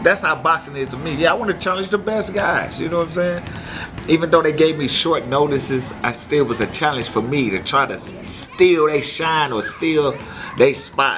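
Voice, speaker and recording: Noticeable background noise surrounds a man with an American accent. He talks at a moderate pace with a fairly high pitch and ordinary pitch variation. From Detroit, West Side; Detroit. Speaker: retired professional boxer. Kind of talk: casual interview. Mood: relaxed, confident storytelling. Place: garden.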